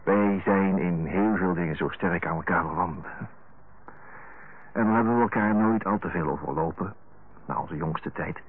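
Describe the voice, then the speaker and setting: A man's voice: low voice, normal speed. A male actor playing an earnest, affectionate middle-aged younger brother in a radio drama, speaking hesitantly and correcting himself as he searches for tactful, frank words. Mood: earnest, tender. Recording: tinny narrow-band old radio recording.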